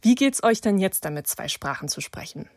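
A woman's voice: mid-range voice, lively intonation, normal speed, no room sound. A woman hosting a children's radio program in a studio, playful and inviting as she questions her guests. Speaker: children's radio show host. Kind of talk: lively radio presenting for children.

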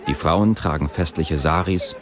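A man reading a calm, scripted documentary narration. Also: a bass voice, a little slow, a crowd in the background.

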